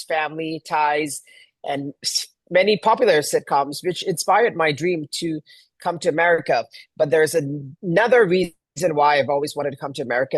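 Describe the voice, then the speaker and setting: A man's voice: on the high side, breathy edge, no room sound. A middle-aged man from Malaysia answering interview questions as a guest, telling personal stories in a conversational way. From Kuala Lumpur, Malaysia. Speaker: guest, event planner.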